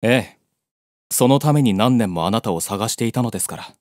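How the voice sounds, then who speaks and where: A man's voice: fairly low pitch, expressive, brisk, a little mellow, no echo, studio quality, close to an everyday voice. A man playing a determined white-wolf beastman in an audio drama, formal and earnest. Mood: urgent, resolute.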